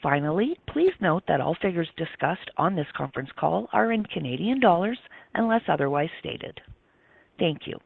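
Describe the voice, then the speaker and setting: Male call operator, formal scripted read, animated intonation, dry tinny telephone sound. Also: a little high, normal speed, creaky, husky, no room sound. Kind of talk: scripted corporate announcement. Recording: narrow tinny phone line.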